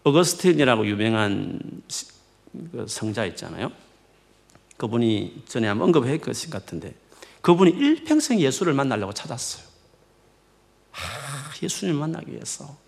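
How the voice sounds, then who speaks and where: A man preaching a midweek sermon in a conversational, coaxing way, with many rhetorical questions and sharp swings in emphasis. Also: medium pitch, normal speed, vocal fry. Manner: lively, rising and falling emphatic preaching. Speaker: pastor.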